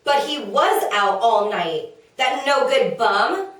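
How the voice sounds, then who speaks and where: A woman's voice: a little high, very animated, slow, fairly bright tone, exaggerated voice. A woman playing an exasperated, insecure wife in a comedic table read, with a plaintive, griping, colloquial delivery. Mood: indignant. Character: exasperated, henpecking young-to-middle-aged wife of Socrates, insecure. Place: echoey room, away from mic. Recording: very echoey room, distant mic.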